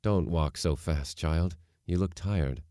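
Guy doing a kind understated storybook dad, middle-aged country doctor, mellow and dry sound. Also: low-pitched, slow, no room sound. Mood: quiet, kindly. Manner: quiet, understated, reassuring.

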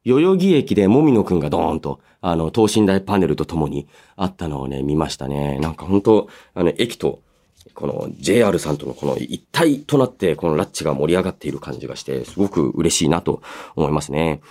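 A man hosting a solo radio show, chatting and reading listener mail in an animated way, slipping between polite announcing and casual asides. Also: extremely low pitch, brisk. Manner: animated storytelling with sound-effect words and casual asides.

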